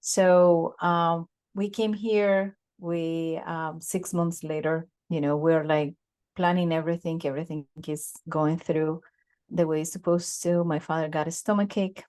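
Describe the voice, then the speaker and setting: Slow-talking woman, low voice. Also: steady tone, a little mellow. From Bogota, Colombia. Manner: unhurried, many pauses and fillers. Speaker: guest. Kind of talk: casual interview, telling life story. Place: home office with bookshelves. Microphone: desk microphone on a video call.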